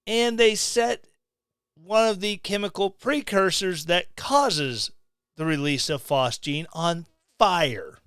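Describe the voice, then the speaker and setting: Slow, sarcastic middle-aged man ranting. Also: high voice, a bit bright, smooth, dry recording, clean studio sound. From Missouri, USA. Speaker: podcast host. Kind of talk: opinion commentary. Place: small home room. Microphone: studio mic on stand, close.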